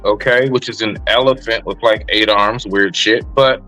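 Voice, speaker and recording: A man's voice: lowish voice, steady tone, moderate pace, pushed and bright, soft background music, poor audio. A man hosting a live online panel, talking loosely and conversationally, with many fillers and restarts. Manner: calls panelists brother and sister. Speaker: live stream host. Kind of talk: casual panel discussion.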